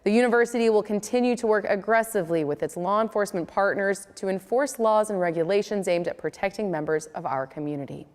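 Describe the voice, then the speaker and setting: A woman's voice: mid-range voice, quick pace, few pauses, long reverb tail. A woman with an American accent reading a scripted local television newscast as the anchor.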